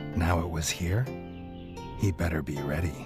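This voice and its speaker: A man talks at a fairly slow pace with music in the background. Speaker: voice actor. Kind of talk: video game story narration.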